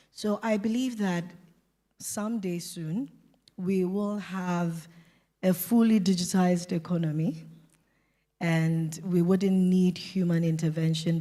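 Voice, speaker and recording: Woman on a banking panel, warm lowish voice, steady and sure, hall reverb. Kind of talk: panel discussion. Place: conference hall.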